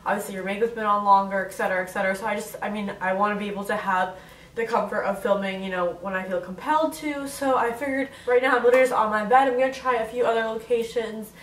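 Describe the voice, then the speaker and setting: Congested young woman vlogging from her bed, talks fast, kinda echoey room and a bit off mic. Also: mid-range voice, fairly even intonation, distant mic. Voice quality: nasal. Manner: chatty, full of "like" fillers. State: congested, stuffy nose. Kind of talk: casual Q&A vlog.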